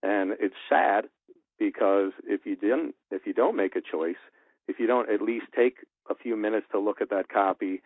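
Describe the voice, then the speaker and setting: A man with a lowish voice, a radio producer and audio engineer, gives candid, loose advice on voice-acting choices, his talk full of fillers. The audio is thin and tinny like a phone line, dry and close with no room sound.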